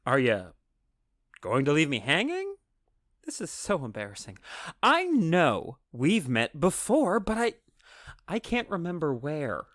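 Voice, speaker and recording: Radio play everyman, played by a man: anxious and guilt-ridden, hesitant pleading, unhurried, close dry sound. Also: a little high, wildly swooping pitch, fairly bright tone, dry recording, heavily acted. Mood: sheepish. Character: anxious, guilt-ridden middle-class American family man, Charlie.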